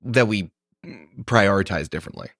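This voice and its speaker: A man's voice: fairly low pitch, normal speed, fairly bright tone, no echo, studio quality. A man in his thirties, a podcast host and game master, talking in a reflective, thinking-aloud way in casual chat. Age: 30s.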